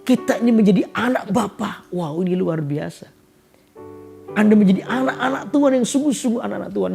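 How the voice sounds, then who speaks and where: A man preaching a sermon as a pastor, telling a story with lively swings between loud emphasis and soft murmurs. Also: sits high, creaky. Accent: Indonesian. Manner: animated storytelling, drops to soft murmurs when quoting. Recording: guitar music behind.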